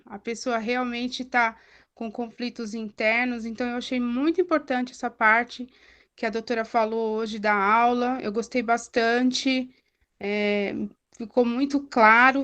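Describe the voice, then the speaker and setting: A woman's voice: on the high side, a bit bright, lo-fi sound. A woman student commenting in an online class, speaking hesitantly with many fillers.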